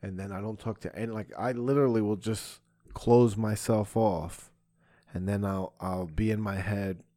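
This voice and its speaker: A man's voice: on the low side, warm tone. A man in his thirties chatting casually as a podcast host, rambling in profane, slangy talk. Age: 30s. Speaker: podcast host and stand-up comedian. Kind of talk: casual chat.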